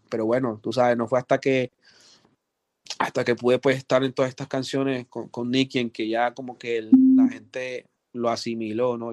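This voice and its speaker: Un hombre con acento colombiano, productor musical, cuenta anécdotas en una entrevista de forma animada, imitando voces. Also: male voice, medium pitch, no echo. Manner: animated, acts out quoted voices. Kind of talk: casual storytelling interview.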